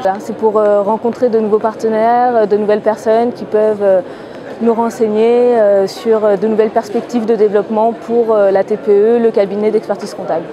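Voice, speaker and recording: A young woman in her twenties from an accounting firm, interviewed at a crowded trade fair, speaking haltingly with many fillers. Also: medium pitch, level tone, highs cut off. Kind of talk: street interview. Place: busy indoor exhibition hall. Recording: busy crowd noise behind. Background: crowd chatter.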